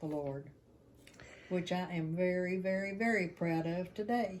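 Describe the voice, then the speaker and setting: This woman's somewhat breathy voice has a dark, mellow tone, medium pitch and fairly even intonation. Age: 80s+. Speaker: elderly mother giving testimony. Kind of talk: testimony interview. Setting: at home.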